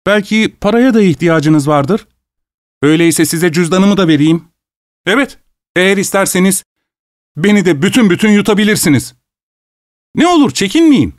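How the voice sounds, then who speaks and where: A man's voice: a little high, moderate pace, darkish tone, clean tone, dry recording, clean studio sound, pitched above the performer's own voice, natural voice. A man voicing a wealthy male host who forces cheerful politeness while fury builds, his manner strained and overly courteous. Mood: frantic. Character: rich host forcing cheer through rising fury, male.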